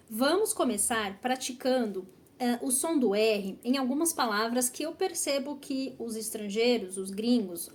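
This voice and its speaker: A young Brazilian woman teaching Portuguese pronunciation in an online lesson, speaking model phrases slowly and carefully for learners to repeat. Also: a little high, a little hiss or hum. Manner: slow, over-articulated model phrases for repetition.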